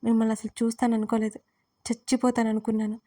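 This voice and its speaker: A woman's voice: a little high, flat delivery, mellow, close to an everyday voice. A woman voicing a frightened, sobbing young woman. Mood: tearful, frightened. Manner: halting, stammering through tears.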